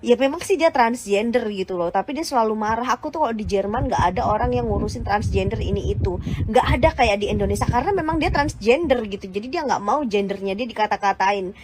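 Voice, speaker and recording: A woman's voice: on the high side, fast talker, a crowd in the background. A woman ranting angrily to her followers, blunt and insulting in casual slang. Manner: heated, insulting and combative. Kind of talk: angry rant to followers.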